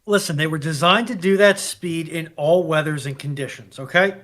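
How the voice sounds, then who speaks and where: A man with a somewhat high voice joins a panel discussion. He is wordy and wry, pressing his point with mock insistence. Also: moderate pace, a bit bright. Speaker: panel participant.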